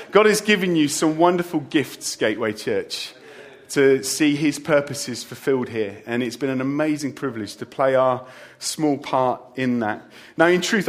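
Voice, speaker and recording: Speaking a little high and a bit bright, a middle-aged man gives a farewell sermon as a church leader. The setting is a church service, and he slips in joking asides to the congregation.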